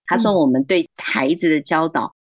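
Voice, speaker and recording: A woman's voice: deep voice, normal speed, no room sound, dull audio. A woman giving earnest, encouraging Christian advice on marriage and self-control, acting out quoted remarks. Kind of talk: faith-based advice talk.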